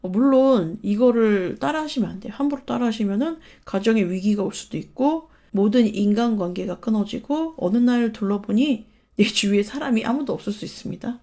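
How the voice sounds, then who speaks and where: A woman in her thirties talks casually on her own channel, giving blunt, emphatic advice that carries some profanity. Her voice sits a little high but sounds mellow and warm. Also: expressive, a little fast, few pauses.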